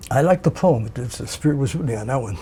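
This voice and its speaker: Very fast, lively intonation from a man with a somewhat breathy, dark, mellow tone. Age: 90s. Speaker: Jesuit priest and poet. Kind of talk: poetry reading. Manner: halting.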